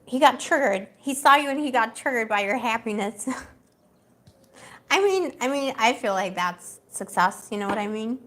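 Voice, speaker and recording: Gossipy tarot streamer, woman, slightly high voice, a bit worn. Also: expressive, moderate pace, bright, forceful tone. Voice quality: gossipy, chatty, laughs often. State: losing her voice. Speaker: tarot reader. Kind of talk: casual livestream tarot reading.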